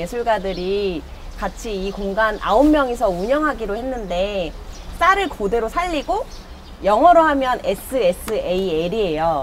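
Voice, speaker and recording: Very slow speech from a woman, with very wide pitch swings and light background noise. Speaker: actress and cultural organizer. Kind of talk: casual interview chat as a tour guide. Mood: cheerful, friendly. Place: street.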